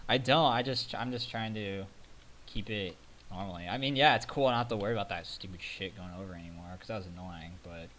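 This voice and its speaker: Joking American let's play host. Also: male voice, lowish voice, fast talker, a bit bright, slight background noise. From United States. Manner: joking, rambling, playful. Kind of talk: casual gameplay commentary. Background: keyboard clicking.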